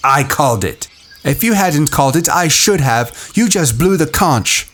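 A man voicing a headstrong, contemptuous boy in an audiobook, talking forcefully and insistently. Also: fairly high pitch, expressive, a little slow, faint music behind, voice pushed up. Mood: defiant. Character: headstrong boy hunter leader, contemptuous and defiant.

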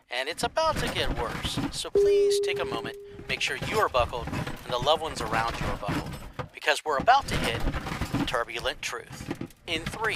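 A man playing an airline captain on the intercom, with loud engine noise. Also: medium pitch, lightly acted. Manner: mock-solemn, dramatic countdown. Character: airline captain making a cabin announcement over the intercom. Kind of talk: comic show intro skit. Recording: loud engine noise behind the cockpit announcement.

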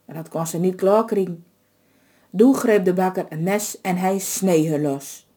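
Dark-toned woman telling a folk tale. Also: on the low side, a little slow. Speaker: storyteller. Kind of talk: reading a folk tale aloud.

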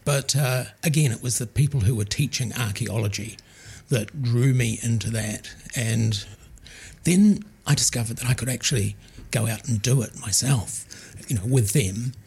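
An older man, an archaeologist, answering interview questions in a measured, thoughtful way. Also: mid-range voice, a little mellow, husky. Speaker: archaeologist guest. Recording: faint background noise.

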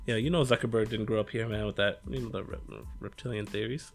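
A man bantering casually like a frat bro, jokey and animated, peppering his talk with yo, bro and man. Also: on the low side, fast, soft background music. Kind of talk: casual comedic podcast banter.

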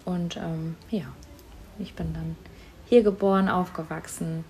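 Soft-spoken woman, hesitant and thoughtful. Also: on the low side, fairly even intonation, a little slow, a little hiss or hum, rough recording. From Germany. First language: Tamil. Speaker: interviewee. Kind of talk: school interview.

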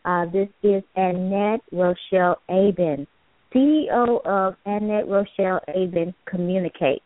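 A woman's voice: mid-range voice, fairly even intonation, unhurried, dry recording. A woman hosting an online talk show, welcoming guests and chatting with an easy laugh. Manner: warm-toned welcoming host, laughs easily. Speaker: host. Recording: tinny phone line, dry.

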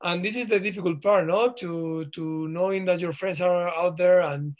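A man in his thirties from Spain with a Spanish accent, answering interview questions in English with frequent pauses and restarts. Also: sits high. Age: 30s. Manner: halting, frequent ums and restarts. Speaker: guest, professional footballer.

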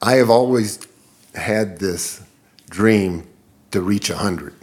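A man's voice: fairly low pitch, takes it slowly, a little mellow. Earnest man in his seventies. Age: 70s. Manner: earnest, reflective, laughs easily. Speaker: guest. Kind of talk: interview conversation.

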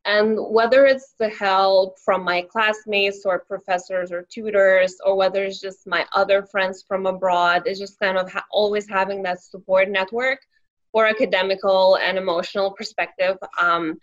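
Young adult woman from Lithuania, native Lithuanian speaker, interview guest, mid-pitched, soft-spoken, slightly dull recording. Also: fairly even intonation, normal speed. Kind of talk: casual interview answers.

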